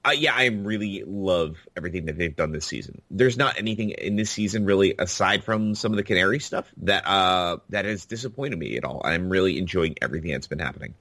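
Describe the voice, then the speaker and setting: A man's voice: deep voice, a little fast, few pauses, sharp tone, no echo. A man co-hosting a podcast, chatting casually and enthusiastically about TV episodes, with lots of fillers. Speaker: podcast co-host. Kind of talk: casual TV review chat.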